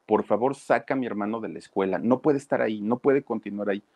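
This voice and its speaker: A man voicing worried grown siblings who plead urgently with their mother, in his own low voice within a spoken story. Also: fast talker, a little mellow, no room sound.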